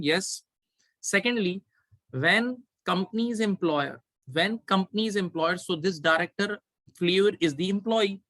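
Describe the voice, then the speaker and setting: A male tutor with a somewhat high-pitched voice leads an online exam revision class. He explains in an instructional way and often says a phrase again to drive it home. The sound is dry, with little trace of the room. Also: a bit bright, no echo, low-quality recording. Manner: repeats phrases for emphasis, instructional. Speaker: accounting tutor.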